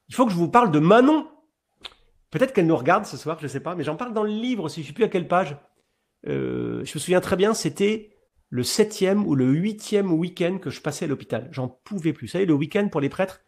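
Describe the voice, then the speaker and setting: A middle-aged man, a priest, giving a webinar talk about his own experience, telling it in an animated way with fillers and repeated words. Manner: animated storyteller with sudden rises in pitch and loudness.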